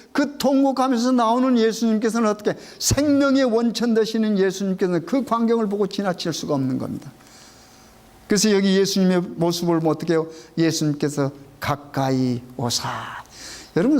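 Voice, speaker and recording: A middle-aged man with a high voice preaches a sermon to his congregation. He keeps asking questions, answers them himself, and repeats the key phrases slowly for weight. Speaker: pastor.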